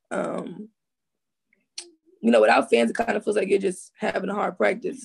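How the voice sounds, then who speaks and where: A woman with an American accent uses lively intonation along with vocal fry. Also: medium pitch for a woman, moderate pace. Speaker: professional basketball player. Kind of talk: press conference Q&A. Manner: casual, many fillers.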